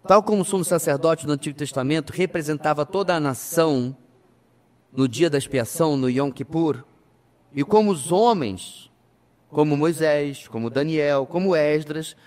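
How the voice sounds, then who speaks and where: A man preaching a sermon as pastor, addressing the congregation as brothers, emphatic with slow pauses. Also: on the high side, darkish tone. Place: church. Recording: reverberant church hall.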